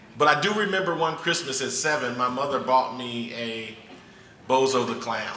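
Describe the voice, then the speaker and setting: A man speaks at a moderate pace in an American accent, with medium pitch and ordinary pitch variation. Light background noise and audible room echo are present. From Muncie, Indiana. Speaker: pastor. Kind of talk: eulogy speech. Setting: stage with audience. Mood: earnest, reflective. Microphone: podium.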